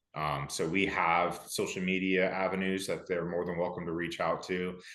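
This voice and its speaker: A man with a very deep, low pitch and a bright, sharp tone, in an American accent, flat and monotone at a moderate pace, with audible room echo. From California. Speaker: competitive shooter and soldier. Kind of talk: podcast interview. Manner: laid-back.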